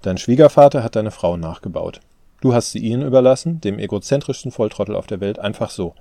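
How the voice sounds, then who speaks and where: A man's voice: lowish voice, animated, fairly quick, vocal fry, warm tone, no room sound. A man voicing a wry, mocking older father. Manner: dry, mocking, asks questions back. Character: wry teasing older father who smokes cigars.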